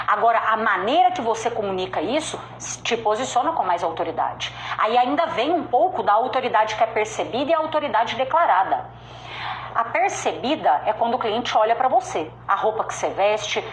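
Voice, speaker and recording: A woman's voice: on the high side, a little hiss or hum. A woman with a strong regional Brazilian accent giving a motivational sales talk, emphatic and direct, repeating her key points. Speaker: sales speaker. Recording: echoey room with faint ambience.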